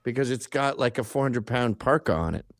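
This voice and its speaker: A man's voice: mid-range voice, lively intonation, brisk, no room sound, studio quality. Profane joking man in his fifties. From Canada. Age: 50s. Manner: profane, rambling, joking storyteller. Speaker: podcast guest. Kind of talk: casual livestream chat.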